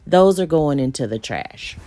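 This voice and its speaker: A woman's voice: deep voice, expressive, measured pace, dark tone. A woman vlogger speaking in a casual, folksy instructional way, addressing her viewers directly as she explains things step by step. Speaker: homesteading vlogger demonstrating home canning.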